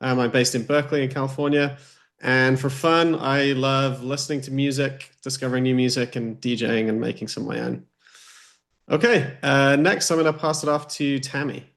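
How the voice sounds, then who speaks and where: A man's voice: mid-range voice, moderate pace, a bit bright. A man moderating a livestream design panel over a video call, upbeat and friendly.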